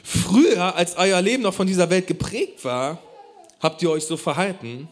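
A pastor with a fairly high voice preaches a sermon to his congregation at normal speed. He's animated, speaks directly to listeners, and frequently poses questions to them.

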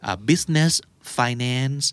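A man's voice: mid-range voice, extremely slow, clean tone, no echo. A man, co-hosting a podcast and casually explaining English terms, dropping English words into his talk.

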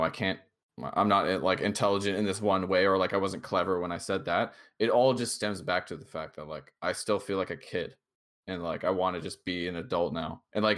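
A tipsy man in his twenties, a podcast co-host, chatting casually in a rambling, halting way full of fillers and restarts. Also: low-pitched, fairly bright tone. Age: 20s. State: tipsy from drinking shots.

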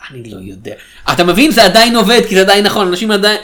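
A man's voice: high voice, sing-song, crowd noise. A man co-hosting a casual film podcast, joking and self-deprecating as he talks. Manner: jokey, self-deprecating, quick asides. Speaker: podcast co-host.

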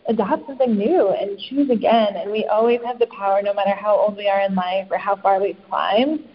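A woman's voice: medium pitch, fairly even intonation, fairly quick. A woman coach and author as a podcast guest, speaking reflectively with frequent ums and likes. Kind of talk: casual interview chat. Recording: slightly dull lo-fi podcast audio.

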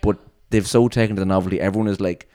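A man's voice: low voice, fairly even intonation, racing, mellow, no room sound. A young man, rambling through tour stories in casual podcast chat and swearing freely. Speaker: band member and podcast host.

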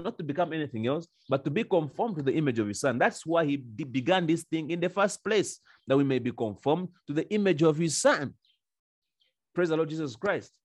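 A male preacher delivering an emphatic sermon in a somewhat high voice. He hammers his points home by repeating phrases, and the sound is dry and close with almost no room echo. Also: darkish tone, slightly rough.

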